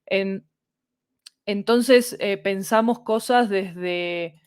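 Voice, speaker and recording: A woman with a Latin American Spanish accent talks as an interviewed producer. Her voice sits at a medium pitch in a dry recording. She explains in an animated way and keeps checking that she is being followed. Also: drawn-out words, clear, resonant tone, no echo. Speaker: podcast fiction producer, interviewed guest.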